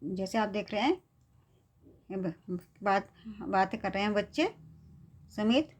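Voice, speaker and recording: A woman's voice: mid-range voice, lively intonation, takes it slowly. A woman teacher patiently explaining a lesson to young students, often checking in with them. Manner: patient, repeats "theek hai" to check understanding.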